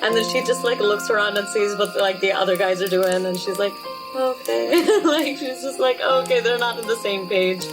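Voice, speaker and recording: A woman's voice: mid-range voice, moderate pace, rough recording. A woman player casually improvising a story about her character in a tabletop role-playing game, rambling and giggly, saying "like" often. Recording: music playing behind the voice.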